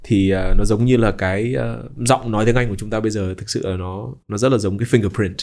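A man's voice: lowish voice, steady tone, fast talker, a little mellow. A man hosting a podcast in casual chat, explaining at length and dropping in English terms. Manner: explanatory, mixes in English terms, many fillers. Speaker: podcast host.

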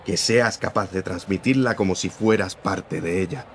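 A man's voice: low voice, normal speed, slight background noise. An actor playing a firm, principled newspaper editor-in-chief who lectures his young reporter in a radio drama. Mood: earnest. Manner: firm, lecturing, morally serious.

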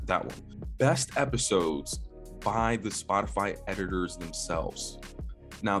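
A fairly low-voiced man hosting a podcast with upbeat, energetic delivery. He talks in a slangy, casual way and throws in Spanish greetings, with faint music under parts of his talk. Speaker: podcast host. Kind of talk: casual podcast intro and interview.

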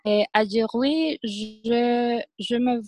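A woman's voice: on the high side, very slow, a little mellow, no echo. A woman in her twenties from Mexico, a law student guest, speaking careful, hesitant learner's French. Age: 20s.

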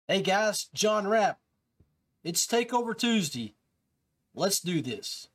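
A man's voice: high-pitched, very animated, slow, noisy background. A man hosting a fishing podcast, talking to listeners in a casual, upbeat way. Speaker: podcast host.

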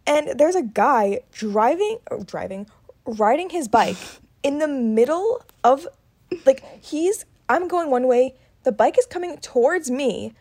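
A young woman in her twenties with a slightly high voice chats on a podcast. She tells her stories in an animated rush, full of "like" and quick restarts. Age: 20s. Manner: chatty, animated storytelling full of "like". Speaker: podcast co-host. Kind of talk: casual chat.

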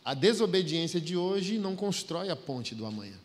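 A man's voice: high-pitched, sing-song, fairly quick. A middle-aged man from Brazil preaching a sermon in a folksy, emphatic way, acting out bits of dialogue. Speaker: pastor. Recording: long hall reverb.

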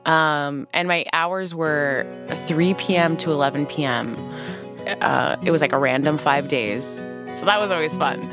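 A woman's voice: low voice, unhurried, over music. A Canadian woman in her thirties, a podcast guest telling her story casually, laughing at herself. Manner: self-deprecating, laughing.

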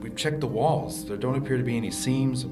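A man voicing a wry young man trapped in a dark station, joking dryly to stay calm in an audio drama. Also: medium pitch, fairly quick, recorded from a distance, natural voice. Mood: tense. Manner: dry, self-mocking humor. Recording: echoey room, off-mic, music behind.

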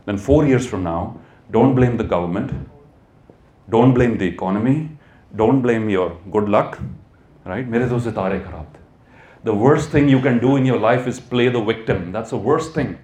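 A man's voice: mid-range voice, normal speed, a little mellow. A man with a North Indian accent giving an emphatic motivational talk to a live audience, prompting listeners with questions and repetition. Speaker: motivational speaker.

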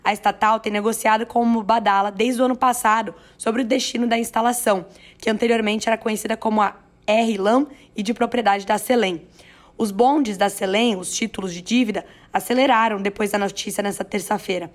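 A hoarse, raspy-voiced woman with a Brazilian accent, hosting a news podcast in a chatty, playful way with self-deprecating asides. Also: medium pitch, fairly even intonation, brisk. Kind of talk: chatty, conversational news narration.

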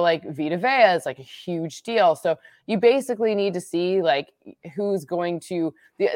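A woman from the Midwest talking through football analytics in casual chat, quick and full of restarts. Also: lowish voice, no room sound, studio quality. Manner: quick, restarts sentences, laughs at own jokes.

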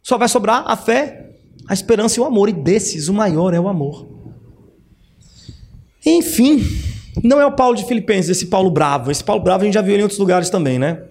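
High-voiced teacher, chatty. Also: male voice, animated, a little fast, long pauses, a little mellow. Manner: chatty, with frequent "né?" asides and restarts. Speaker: Bible teacher. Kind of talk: conversational Bible teaching.

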